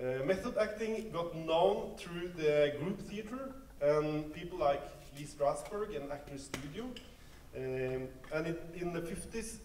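A man with a high pitch speaks at a fairly slow pace, with audible room echo and light background noise. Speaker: presenter. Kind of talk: lecture. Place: stage.

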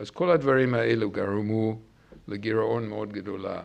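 Speaking at a very slow pace, a man with a fairly low pitch uses ordinary pitch variation. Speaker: guest lecturer. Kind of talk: lecture. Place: classroom. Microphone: podium.

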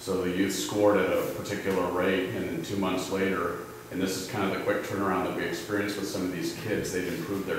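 The speech moves at a fairly quick pace amid strong room echo and light background noise. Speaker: youth camp staff. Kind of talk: public comment. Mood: positive, appreciative. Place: meeting room. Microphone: camera far.

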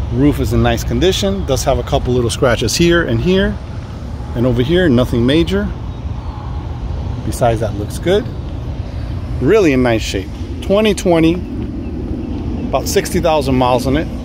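The sound is dry with no echo, and background noise is noticeable. A man speaks at a moderate pace with long, frequent pauses. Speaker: car seller. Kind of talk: walkaround sales commentary. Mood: upbeat, approving. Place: street. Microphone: phone near.

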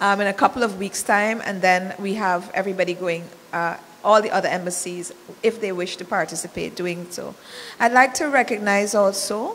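A woman speaks at a fairly quick pace with fairly even intonation over light background noise. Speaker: university official hosting the event. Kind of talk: opening remarks at a panel event. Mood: warm, occasionally laughing. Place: hall. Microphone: podium.

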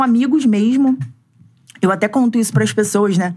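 A woman with a fairly high pitch talks in a somewhat breathy voice with ordinary pitch variation against a quiet background. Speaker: football fan, guest's wife; guest. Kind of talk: casual chat. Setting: studio. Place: studio. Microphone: studio mic.

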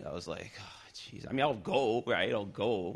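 A man with a Canadian Prairie accent talks in a fairly low pitch. His intonation is lively and his pace moderate. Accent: Canadian (prairies). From Saskatchewan. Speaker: political science professor. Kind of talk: panel discussion. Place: hall. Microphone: podium.

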